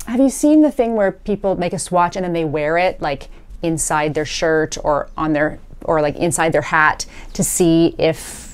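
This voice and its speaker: Speaking with a Canadian accent, a woman has an unremarkable speaking voice, fairly low in pitch, with lively intonation at a fairly slow pace. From Canada. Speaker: knitting podcaster. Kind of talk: casual chat.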